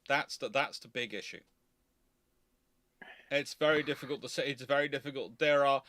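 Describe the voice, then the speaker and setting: A man's voice: medium pitch, a bit bright, no echo, clean studio sound. A man giving casual live commentary, explaining things emphatically and repeating himself to qualify each point carefully. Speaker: host of naval history live Q&A.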